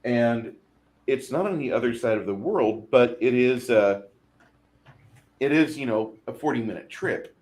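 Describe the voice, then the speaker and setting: A man's voice: mid-range voice, lively intonation, measured pace, darkish tone. A man from Illinois talking casually on a tabletop gaming podcast, rambling and conversational. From Illinois, USA. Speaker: podcast co-host.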